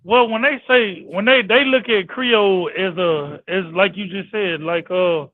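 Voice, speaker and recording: High-voiced man on a tinny line. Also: measured pace, no room sound. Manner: talkative, explains history with stumbling restarts. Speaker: panelist. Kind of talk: casual online panel chat. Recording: tinny phone-line sound.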